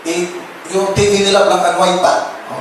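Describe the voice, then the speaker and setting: High-voiced joking male pastor in echoey church. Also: flat delivery, normal speed, over music. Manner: jokes with the crowd and laughs often; keeps addressing the listeners as brothers and sisters. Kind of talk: humorous sermon to a congregation. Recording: very echoey church from a distance, noisy.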